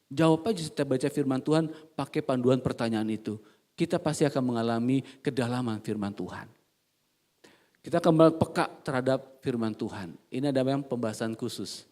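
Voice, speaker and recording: Here the same male pastor delivers his church sermon at a medium pitch and a slightly quick clip. He's animated and humorous, putting questions to the congregation while alternating hushed asides with loud, forceful outbursts.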